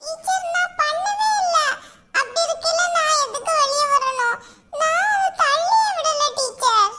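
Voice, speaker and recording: A woman voicing a small schoolgirl who pleads her innocence in slow, dragged-out, crying words. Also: very high-pitched, expressive, pushed and bright, soft background music, heavily acted. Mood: tearful. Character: small girl pupil, tearful and insistent. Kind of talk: cartoon voice acting.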